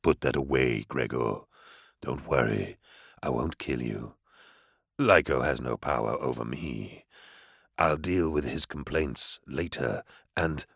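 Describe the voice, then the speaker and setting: Cherubael, a gravelly demon host. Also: male voice, a bit bright, dry recording, studio quality, heavily acted. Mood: menacing. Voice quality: very deep gravelly voice, slow and measured. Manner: taunting, intimate, drops into whispers. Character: ancient male demon host, menacing and coldly manipulative. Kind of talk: audiobook character voice.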